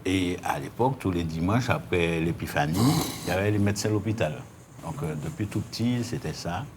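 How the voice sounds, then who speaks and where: A man's voice: deep voice, fairly quick. A man with a Martinican French accent answering interview questions, hesitating and repeating words as he explains. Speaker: interview guest, union leader. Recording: clear background noise.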